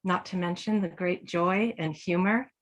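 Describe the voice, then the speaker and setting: A woman speaks slowly at a ceremony, her voice sitting a little low. She talks in a halting, hesitant way, pausing often and filling the gaps as she searches for her words. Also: muffled recording. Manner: halting, hesitant, many fillers. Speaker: event co-sponsor. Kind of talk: heartfelt speech at a ceremony.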